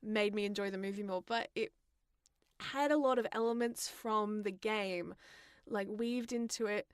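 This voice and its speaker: A young woman chats casually as a podcast co-host. Her voice sits at an ordinary pitch for a woman. The sound is dry, with very little room around it, and her delivery is loose and conversational. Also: measured pace, clear, resonant tone, no room sound. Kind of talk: casual chat about films and games.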